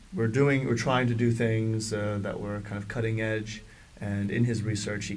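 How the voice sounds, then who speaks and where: A fairly low male voice at a moderate pace, fairly even in intonation, with audible room echo. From Hong Kong. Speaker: business developer. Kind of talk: interview. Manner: halting.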